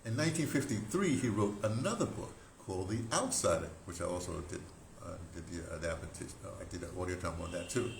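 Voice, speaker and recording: A man in his seventies telling stories informally, in a halting, digressive way with emphatic stresses. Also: low-pitched, lively intonation, vocal fry. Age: 70s. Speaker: audio dramatist recounting theater history. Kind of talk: informal rambling storytelling to camera. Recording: roomy echo, background noise.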